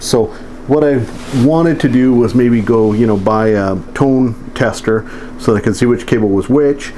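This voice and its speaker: Low-voiced man over background hum. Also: warm tone. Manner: halting, thinking aloud while working. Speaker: electronics hobbyist presenting a how-to. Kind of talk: informal hands-on demonstration. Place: indoors, home office. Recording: hissy air-conditioner hum, amateur audio.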